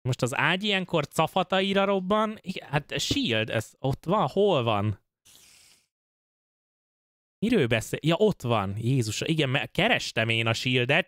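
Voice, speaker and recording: A Hungarian man casually commenting on his own gameplay, excitable and prone to swearing and yelping at in-game scares. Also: mid-range voice, no echo, studio quality. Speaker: gaming streamer. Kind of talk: casual let's-play commentary.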